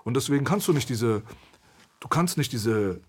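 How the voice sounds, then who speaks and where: A man's voice: mid-range voice, animated, moderate pace, breathy edge. A man from Berlin, a guest in a candid conversation, telling his story in a blunt, intense way. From Berlin, Germany.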